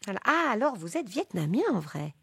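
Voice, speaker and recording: Une femme jouant une psychothérapiste de radio exubérante et maladroite, à la voix soufflée et râpeuse. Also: female voice, medium pitch, very animated, brisk, vocal fry, fairly bright tone, breathy edge, dry recording, exaggerated voice. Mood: effusive. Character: gushing, tactless female radio psychotherapist. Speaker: psychotherapist host of a call-in show. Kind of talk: scripted comedy sketch.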